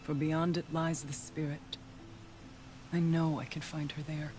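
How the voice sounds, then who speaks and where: A woman's voice: low voice, flat delivery, a little slow. A middle-aged woman playing a devout, solemn tribal shaman in a video game, speaking in formal, reverent phrases. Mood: solemn, hopeful. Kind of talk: dramatic video game dialogue. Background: loud game music.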